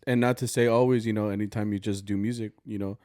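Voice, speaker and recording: Low mellow-voiced young man, casual. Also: steady tone, quick pace, no room sound, studio quality. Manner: easygoing, talkative, rambling with fillers. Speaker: podcast co-host. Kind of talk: casual podcast chat.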